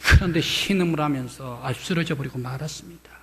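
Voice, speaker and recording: High-voiced pastor preaching dramatically. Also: male voice, fast. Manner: dramatic storytelling, swings between loud and hushed. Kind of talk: sermon. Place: church sanctuary. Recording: reverberant church hall.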